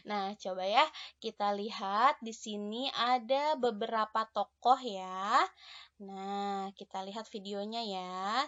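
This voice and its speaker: A woman teaching young children in an online lesson, gentle and encouraging, checking in with them often. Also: mid-range voice, dull audio. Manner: gentle, encouraging, addresses pupils warmly with many "ya" and "nah".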